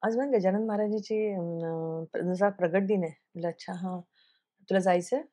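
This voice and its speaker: A woman's voice: lowish voice, fairly even intonation, moderate pace, dark tone. A woman, a television actress, tells a personal story in an interview. She acts out the dialogue she quotes and drops English phrases into her speech. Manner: earnest, recounts events by acting out quoted dialogue.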